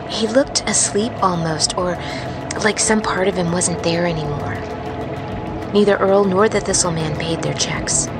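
A woman playing a wary, haunted truck driver in an intimate, confiding, halting audio-drama monologue. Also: on the low side. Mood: dread. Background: music.

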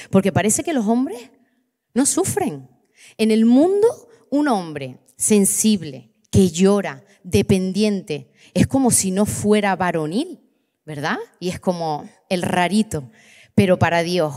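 A woman, preaching and giving her testimony, impassioned, slowing down on key words for emphasis. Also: mid-range voice, warm tone. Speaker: preacher leading a church workshop. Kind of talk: sermon with personal testimony. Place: church hall. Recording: long reverberant church hall.

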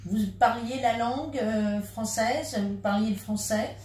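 A woman's voice: fairly high pitch, unhurried, darkish tone. A woman asking questions as an interviewer. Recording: distant, echoey, faint noise.

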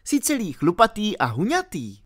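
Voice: medium pitch, huge pitch swings, pitched above the performer's own voice. A reader voicing a ten-year-old girl, bold and determined, speaking eagerly and insistently in a storybook reading.

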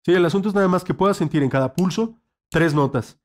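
A man leads an online saxophone lesson. His voice sits a little high, and he speaks patiently, checking in often with the student. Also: fast talker, a little mellow. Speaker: saxophone teacher.

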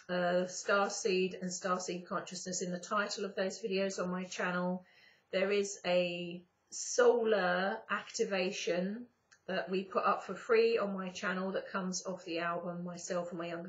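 A middle-aged woman with a croaky morning voice, talking to her webcam from a sofa at home in a slow spiritual monologue with drawn-out pauses. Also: lowish voice, fairly bright tone. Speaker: spiritual channeler and YouTuber. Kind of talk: casual spiritual monologue to camera. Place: indoors, sitting on a sofa at home. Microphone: webcam at close range. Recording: slightly dull webcam audio.

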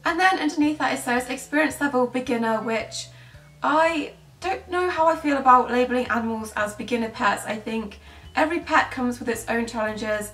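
A woman's voice: fairly high pitch, a bit bright. A young woman in her twenties with a British accent, giving casual commentary to camera as a pet-care vlogger. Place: small bedroom indoors. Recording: roomy echo, distant microphone, faint music.

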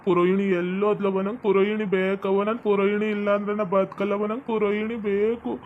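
A man's voice: sits high, little pitch movement, fast, phone-quality sound, slight background noise, natural voice. A man playing a clingy young village husband, whining and pleading. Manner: whining, pleading, repeating himself.

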